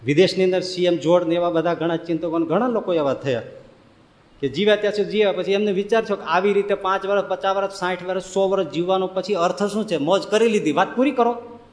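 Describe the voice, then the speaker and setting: A man with a high, ringing voice delivers a lively storytelling sermon. He builds his points through rhetorical questions and often laughs along the way. A long reverb trails his words, as if he is speaking in a large hall. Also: fast. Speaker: spiritual speaker.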